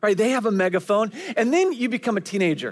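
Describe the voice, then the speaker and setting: Speaking at a fairly quick pace, a man uses a high voice. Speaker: pastor. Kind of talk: sermon. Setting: church. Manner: casual, conversational, humorous.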